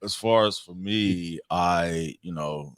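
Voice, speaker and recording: Very deep-voiced American man chatting. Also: slow pace, dry recording. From Cincinnati, Ohio, United States. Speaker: talk show co-host. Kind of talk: casual chat, personal storytelling.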